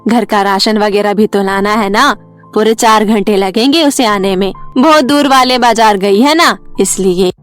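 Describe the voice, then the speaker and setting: A woman's voice: mid-range voice, unhurried, faint music behind, lightly acted. A woman voicing a scheming mother-in-law who keeps making excuses, in a cartoon story. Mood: dismissive.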